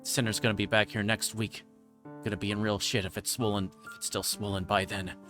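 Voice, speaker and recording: Guy doing a nasty greedy thug in a visual novel, gruff n sweary, kinda low, faint music. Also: level tone, brisk, fairly bright tone, close to an everyday voice. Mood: angry irritation. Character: violent, foul-mouthed, greedy adult male thug.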